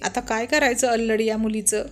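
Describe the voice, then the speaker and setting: A naive, carefree young wife explains and protests in a chatty flow, as a woman reads her in her own high voice. It stays a storybook reading rather than full acting. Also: little pitch movement, moderate pace, slight background noise, lightly acted.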